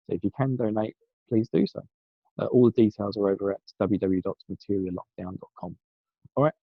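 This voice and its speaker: A hoarse man with a sore throat, chatting casually in a rambling, self-correcting way. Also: medium pitch, dry recording. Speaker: podcast guest segment presenter. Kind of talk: casual pre-recorded segment. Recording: dull lo-fi dry recording.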